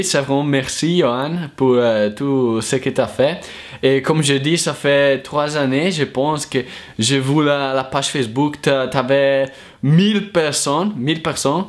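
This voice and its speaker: A man from Italy with an Italian accent, speaking French as a second language in a casual, hesitant monologue full of fillers and restarts. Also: mid-range voice. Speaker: language learner vlogger. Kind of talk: casual thank-you monologue.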